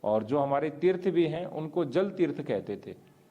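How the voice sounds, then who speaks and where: A man speaking as a local official, explaining to the press in measured, formal bureaucratic wording. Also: a little high, lively intonation, mellow.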